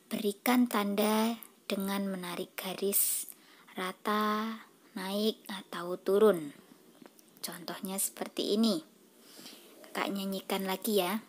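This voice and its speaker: A woman reading a schoolbook lesson aloud to children, patient and soft, half-whispering. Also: medium pitch. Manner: slow, patient, addresses children directly. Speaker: teacher.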